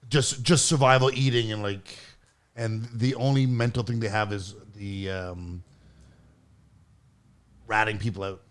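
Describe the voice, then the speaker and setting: A man with a lowish voice speaks as a podcast co-host. His delivery is casual and conversational, as in a relaxed exchange of remarks. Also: a little slow, long pauses.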